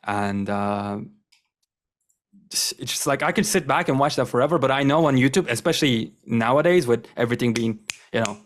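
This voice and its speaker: A young man whose first language is Turkish talks as an interview guest. He rambles with plenty of fillers and sounds enthusiastic. His voice sits at an ordinary middle pitch. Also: animated, normal speed. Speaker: guest, wrestling content creator. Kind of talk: casual interview conversation.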